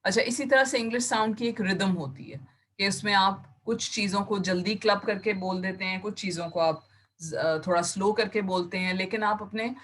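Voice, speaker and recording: A woman's voice: medium pitch, normal speed, a bit bright. A woman teacher giving an online class, explaining terms step by step and mixing English words into her Urdu. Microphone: computer mic on a video call.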